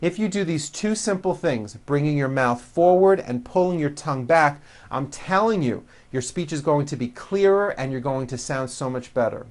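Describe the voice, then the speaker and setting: A pronunciation teacher narrating a language lesson, giving instructions and enunciating example words with deliberate emphasis for the learner to repeat. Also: medium pitch, expressive. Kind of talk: language lesson narration with slow, repeat-after-me word drills.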